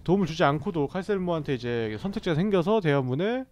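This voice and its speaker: Lively joking male game streamer. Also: a little high, fast. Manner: joking, bantering with game characters. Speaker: gaming streamer. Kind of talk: casual let's-play commentary.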